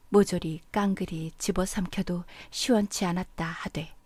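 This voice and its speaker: A woman narrating a short story for an audiobook in a hushed, near-whispered way. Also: medium pitch, no echo.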